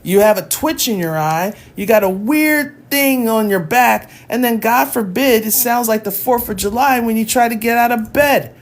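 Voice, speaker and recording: A woman's voice: a little high, moderate pace, few pauses. A woman math tutor in her forties, chatting and teasing her live chat between lessons, talking into her phone at home. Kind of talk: casual livestream lesson.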